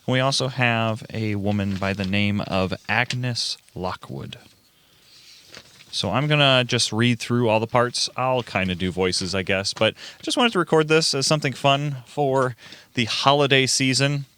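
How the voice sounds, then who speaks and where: Bright-voiced man reading a story aloud. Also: medium pitch, measured pace, slight background noise. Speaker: narrator and reader of all parts. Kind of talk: dramatic scripted narration, amateur reading.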